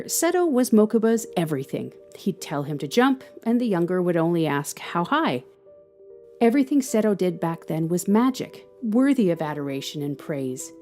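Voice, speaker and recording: A woman narrates a story with a lively, expressive melody. Her voice is soft-edged and mellow at an average pitch, with faint music underneath.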